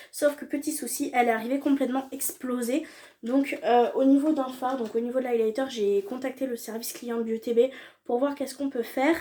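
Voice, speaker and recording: A woman's voice: high voice, warm tone. A young woman chatting casually through a beauty product haul, enthusiastic and full of fillers and slang. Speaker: beauty vlogger.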